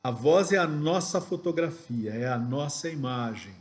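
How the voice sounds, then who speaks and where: A man's voice: a little high, animated, moderate pace. A man teaching a sales training lesson, explaining step by step and checking in with rhetorical questions. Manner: didactic, asks rhetorical questions, frequent "ok?" and "né?".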